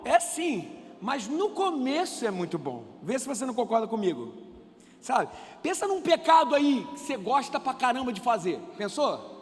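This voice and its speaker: A man with a Brazilian Portuguese accent preaching a sermon, animated and conversational, asking the congregation rhetorical questions. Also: extremely high pitch. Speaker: pastor. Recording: reverberant church hall with faint music.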